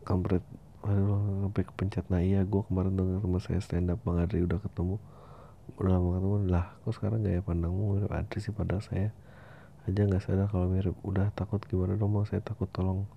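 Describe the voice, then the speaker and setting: The host's delivery is flat and fairly quick, with noticeable vocal fry, as he reads listener emails on his podcast and throws in slangy, profane asides. Dull lo-fi audio with a faint rumble underneath.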